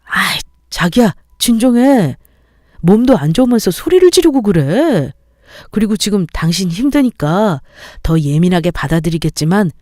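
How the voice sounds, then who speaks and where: A woman's voice: lowish voice, warm tone, dry recording, studio quality, lightly acted. A woman voicing a selfish young husband who coaxes and justifies himself in a dramatized story reading. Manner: coaxing, self-justifying.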